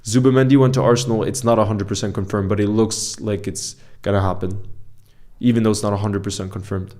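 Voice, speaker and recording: A man's voice: lowish voice, fairly even intonation, a little fast, dark tone. A man chatting casually on a football live stream, reading viewer comments aloud and greeting people by name, often repeating himself. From mixed French and Icelandic background.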